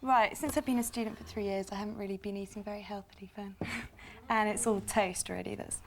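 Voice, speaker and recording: A young woman in her twenties from Fulham, London, a recent graduate competing on a cooking show, brisk and upbeat. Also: medium pitch, steady tone, creaky, a little hiss or hum. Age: 20s.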